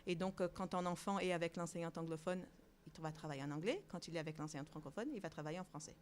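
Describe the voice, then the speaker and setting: A woman who directs a bilingual preschool answers interview questions, pausing often with fillers and restarts. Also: on the low side, slight background noise. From outside Europe. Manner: hesitant, many fillers and restarts.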